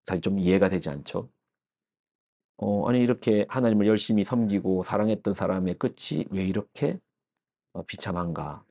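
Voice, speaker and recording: A man's voice: deep voice, animated, normal speed, dark tone. A male pastor giving an early-morning sermon, explaining the passage with frequent fillers and restarts. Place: church.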